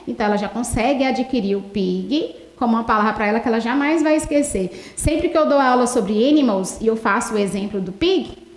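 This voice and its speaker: A woman's voice: high-pitched, darkish tone. A Brazilian woman teaching an English lesson, explaining step by step and switching between English and Portuguese. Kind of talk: televised lesson. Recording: roomy echo.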